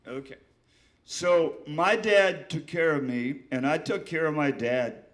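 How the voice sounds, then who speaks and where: An older man from Oregon reading his poems aloud, halting and emotional, repeating himself and swearing between stanzas. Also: a little high, a bit bright. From Willamette Valley, Oregon. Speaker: poet reading his work. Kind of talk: poetry reading with spoken asides.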